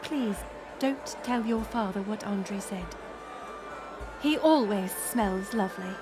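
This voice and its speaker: A woman's voice: mid-range voice, takes it slowly, lightly acted. A woman playing a proud, weary middle-aged queen mother in a dramatic audio roleplay, formal and commanding. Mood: placating, apologetic. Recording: music and crowd murmur behind. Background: music and banquet crowd.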